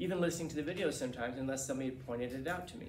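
A man talks at a very fast pace in a somewhat breathy voice. Light background noise and audible room echo surround him. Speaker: teacher. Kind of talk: lecture. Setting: classroom. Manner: stutters, repeats words. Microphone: camera far.

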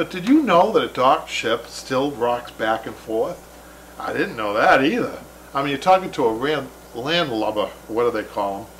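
A man with an American accent, an ordinary speaking voice, fairly high in pitch, at a moderate pace with lively intonation over light background noise. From Massachusetts. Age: 60s. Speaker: upholsterer and show host; upholstery instructor. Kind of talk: casual live chat. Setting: online live stream from workshop. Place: workshop.

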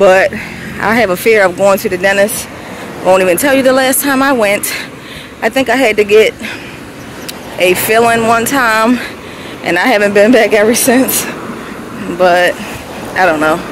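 Over noticeable background noise, a woman speaks at a moderate pace with long, frequent pauses in a dry sound with no echo. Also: ordinary pitch variation. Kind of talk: casual vlog chat. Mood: upbeat, curious. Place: street. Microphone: phone near.

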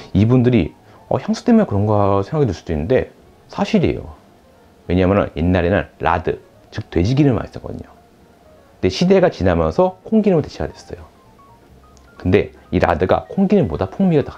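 A man's voice with big swings in loudness and faint music in the background. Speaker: cooking channel host. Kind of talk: tutorial. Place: kitchen. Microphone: lapel.

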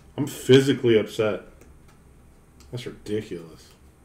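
A man's voice at a moderate pace with fairly even intonation and audible room echo. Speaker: card breaker livestream host. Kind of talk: casual live card break. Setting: live stream video. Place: studio.

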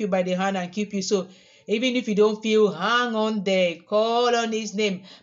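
Speaking at a moderate pace with fairly even intonation, a woman has a medium pitch and a normal speaking voice. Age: 40s. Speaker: minister and therapist. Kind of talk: live-streamed testimony and preaching. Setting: live social media stream.

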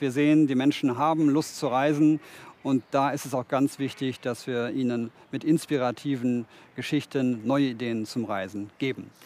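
This man speaks at a moderate pace, and the sound is dry with no echo. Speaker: tourism host. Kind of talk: broadcast presentation. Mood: upbeat, welcoming. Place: waterside. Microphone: headset.

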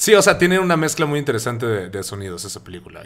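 A man talks at a very fast pace. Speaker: musician. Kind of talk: casual chat. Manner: swallows words.

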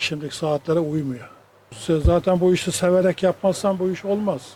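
At a moderate pace, a man talks in a high voice. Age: 70s. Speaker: watch repairman. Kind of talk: interview answer.

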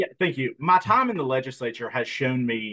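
A man speaks with an American accent at a fairly quick pace. His tone is bright and sharp, and the background is quiet. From rural northwest North Carolina. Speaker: state legislator, economist, candidate. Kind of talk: political forum answers. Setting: video call. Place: home room. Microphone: video call.

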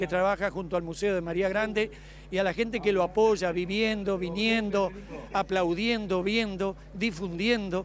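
A man's high-pitched, monotone, flat delivery at a moderate pace, with a dry sound with no echo and light background noise. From Argentina, Paraná (Entre Ríos); Entre Ríos, Argentina. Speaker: agricultural machinery businessman. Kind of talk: interview. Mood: proud, grateful. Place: open country. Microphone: handheld.

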